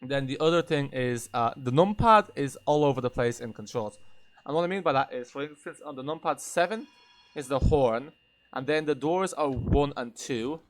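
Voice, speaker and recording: A man reviewing a game in unscripted commentary over gameplay, explaining in a measured, hesitant way. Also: medium pitch, a little hiss or hum.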